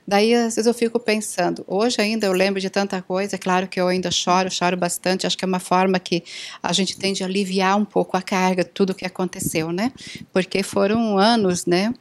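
A woman's voice: medium pitch, little pitch movement, a little fast. Conversational woman host. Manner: conversational, personal, reflective. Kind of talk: interview, casual chat.

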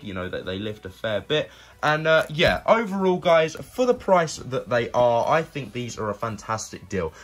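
Husky young man, casual reviewer. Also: mid-range voice, fairly bright tone. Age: young adult. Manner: informal, addresses viewers directly. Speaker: YouTube host and product reviewer. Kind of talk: casual chatty video review.

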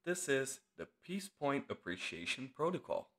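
A man leading a guided meditation as the instructor, speaking in short, deliberate phrases with long pauses. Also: medium pitch, sing-song, sharp tone.

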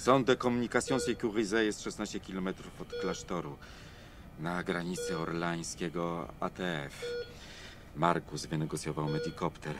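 Actor as a deep-voiced, emotive older monk. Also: male voice, fairly even intonation, normal speed, natural voice. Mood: earnest, grave. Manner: eloquent, emotive, swinging from hushed to exclaiming. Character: devoted older monk, godfather and uncle, wise, emotional. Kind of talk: radio drama acting.

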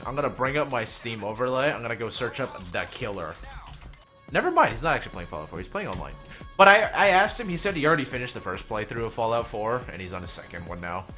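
A man's voice: medium pitch, pushed and bright. A man rambling casually and swearing as he livestreams a game. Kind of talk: casual livestream chat over gameplay.

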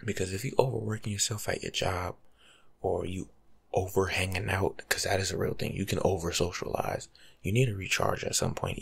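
A young man doing soft-spoken ASMR as a laid-back, rambling life coach, husky and often slipping into a whisper. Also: sits low. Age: young adult. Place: small room at home.

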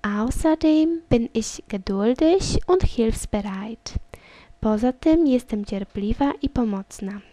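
Woman, slow and careful, mellow tone, dry close sound, reads lines then repeats them. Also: fairly high pitch, animated, dry recording. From Poland. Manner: reads each line in German, then in Polish, then repeats the German slowly. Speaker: German teacher. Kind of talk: reading a language lesson dialogue.

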